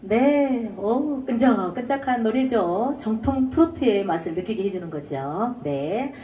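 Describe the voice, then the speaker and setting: A woman's voice: on the high side, lively intonation, a little slow, recorded from a distance, a little hiss or hum. A woman teaching a trot singing lesson, explaining breathing and ornaments and singing short phrases to show them. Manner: demonstrates lines by singing, belts short shouts. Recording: echoey room, voice off-mic.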